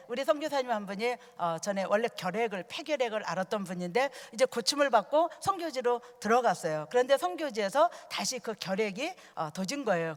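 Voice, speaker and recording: A woman pastor delivering an earnest storytelling sermon in a church, asking the congregation questions as she goes. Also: fairly high pitch. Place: church sanctuary. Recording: long reverb from a church hall.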